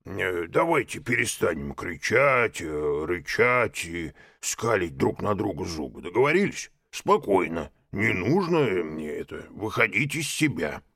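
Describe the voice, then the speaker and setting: A man voicing a slow, easygoing male bear in an audiobook, mumbling hesitantly with drawn-out fillers. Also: low voice, sing-song, a bit bright, dry recording, clean studio sound, full character voice. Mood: mumbling, placid. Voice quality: gravelly, husky. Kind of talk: audiobook character voice.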